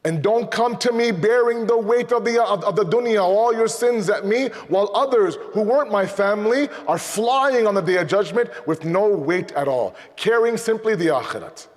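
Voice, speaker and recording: A man giving a sermon in English, animated, asking rhetorical questions and slipping Urdu and Arabic phrases into his talk. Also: high voice, moderate pace, hardly any pauses. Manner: animated, acts out imagined dialogues, rhetorical questions. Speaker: speaker at a Muharram night program. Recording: long hall reverb.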